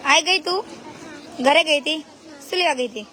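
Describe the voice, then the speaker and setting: A woman hosting a casual live stream, chatting with people and teasing them with quick follow-up questions. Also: high-pitched, pushed and bright, a faint crowd, slight background noise.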